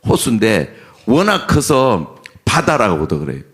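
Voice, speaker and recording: A man's voice: lowish voice, wildly swooping pitch, measured pace. A middle-aged man preaching a sermon as pastor, asking the congregation questions and answering them himself.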